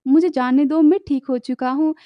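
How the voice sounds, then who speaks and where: A woman's voice: sits high, steady tone, normal speed, dry recording, highs cut off, close to an everyday voice. A woman voicing an embarrassed young man who protests and panics, read out in a drama recap. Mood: protesting.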